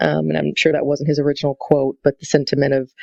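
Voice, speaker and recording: A woman with a very deep, low voice, recorded dry and close with no echo. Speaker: chief marketing officer. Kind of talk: interview. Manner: fast.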